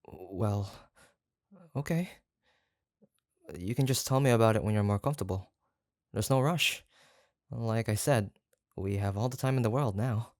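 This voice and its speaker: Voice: mid-range voice, a little slow, pauses often, no echo, studio quality, close to an everyday voice. A performer playing an obsessive, lovestruck yandere kidnapper in a roleplay audio drama, hesitant and rambling as they dote on the listener. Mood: concerned, gentle. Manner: hesitant, rambling, soft-spoken menace with nervous chuckles.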